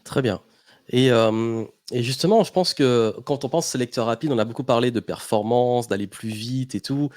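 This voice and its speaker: A man hosting a podcast interview, asking curious, engaged questions in a relaxed conversational way. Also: mid-range voice, moderate pace, no room sound, studio quality. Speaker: podcast host.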